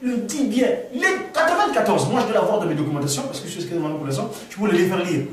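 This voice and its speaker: A man from the Republic of the Congo answering questions before an audience, animated, often repeating and restarting his words. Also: sits high, rapid-fire. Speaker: speaker answering questions at a gathering. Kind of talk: spontaneous talk to an audience. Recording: echoey room, far from the mic.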